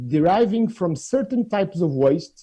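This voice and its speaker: A man with a Portuguese accent talks at a moderate pace and high pitch, his dark, mellow tone carried by lively intonation. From Portugal. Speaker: head of a recycling organization. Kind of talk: presentation. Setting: video call webinar. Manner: halting, many repetitions.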